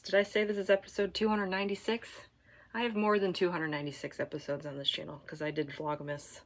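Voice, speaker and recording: Congested and speaking in a low-sitting voice, a woman from Michigan, USA, hosts her knitting podcast from home, chatting casually to camera and wandering off into fillers and soft asides.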